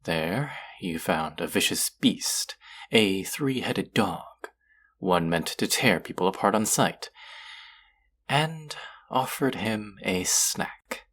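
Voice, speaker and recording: An actor playing a stern, haughty god of the underworld in an audio roleplay, speaking formally with an exasperated, grudging manner. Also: male voice, lowish voice, expressive, slow pace, fairly bright tone, heavily acted. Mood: measured, deducing. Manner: imperious, exasperated, formal speech with sighs. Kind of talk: scripted character audio roleplay.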